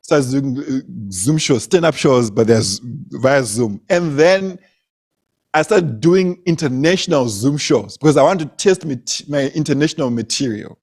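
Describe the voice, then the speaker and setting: A man's voice: mid-range voice, lively intonation, measured pace, a little mellow. A young man from Zimbabwe, a comedian, telling stories in casual conversation, laughing often and repeating words as he goes. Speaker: comedian, guest.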